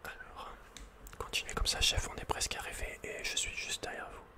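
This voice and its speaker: A man's voice: moderate pace, pushed and bright. A man giving casual, slangy ASMR commentary on a video game, muttering with the odd mild swear word. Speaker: ASMR gaming streamer.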